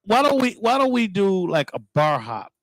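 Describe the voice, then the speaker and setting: A man co-hosting a radio show, joking around playfully with loud bursts. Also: high voice, big pitch swings, normal speed, low-quality recording. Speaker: radio co-host. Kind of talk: casual on-air banter. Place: radio studio. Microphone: studio mic.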